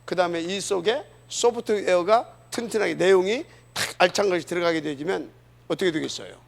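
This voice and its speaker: A man's voice: high voice, brisk, vocal fry. A middle-aged male pastor preaching a sermon in a church, earnest and emphatic, often asking the congregation questions.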